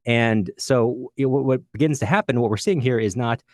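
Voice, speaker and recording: A man's voice: mid-range voice, moderate pace, darkish tone, dry recording. A man speaking as a podcast co-host in an unscripted literary discussion, earnest and discursive, often correcting himself as he goes.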